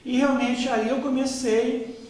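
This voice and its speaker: A man in his fifties from Brazil, recalling his past in an unhurried oral-history interview with many pauses. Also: extremely high pitch, level tone, a little mellow, a little hiss or hum. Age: 50s. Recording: echoey room, mic far off.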